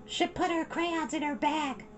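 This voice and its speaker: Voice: sits high, steady tone, unhurried, a little hiss or hum, voice pushed up. A storyteller voicing a proud, complaining little girl in a children's story.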